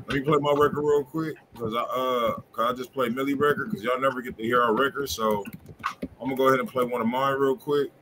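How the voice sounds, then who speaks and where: A man's voice: mid-range voice, steady tone, fast talker, noisy background. A man hosting a live music review stream, chatting casually and profanely with his viewers from a small home studio. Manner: laid-back, slangy, profane, talking to chat. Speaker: livestream music review host.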